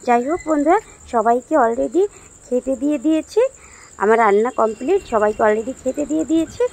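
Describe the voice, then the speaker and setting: A woman with a somewhat high voice chats casually to the camera in her home, calling her viewers friends as she goes through her day. Her throat is hoarse, giving the voice a rough, worn edge. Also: expressive, a little fast, darkish tone, slight background noise. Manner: chatty, keeps addressing her viewers as friends. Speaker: daily-life vlogger. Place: at home, sitting under a ceiling fan.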